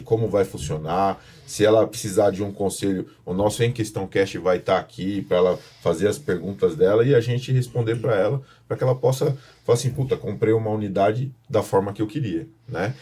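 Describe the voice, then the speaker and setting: Low, husky Brazilian man hosting a podcast. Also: moderate pace, hardly any pauses, mellow. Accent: Brazilian, São Paulo. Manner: informal, repetitive, addresses viewers directly. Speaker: podcast host, professional condominium manager. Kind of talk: conversational podcast presenting.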